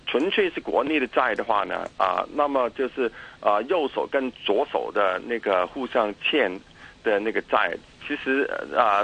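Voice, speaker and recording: A man with a Cantonese accent in his Mandarin, a native Cantonese speaker, giving explanatory interview answers in a halting way with many pauses and repeated words. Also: medium pitch, vocal fry, fairly bright tone, slight background noise, rough recording. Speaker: interview guest, academic.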